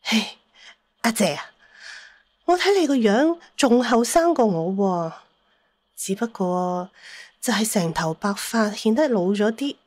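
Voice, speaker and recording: A female narrator acts out a friendly middle-aged woman in an audio drama. She is chatty and familiar, fussing and coaxing at a medium pitch. The sound is dry and close. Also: expressive, a little slow, long pauses, darkish tone, dry recording.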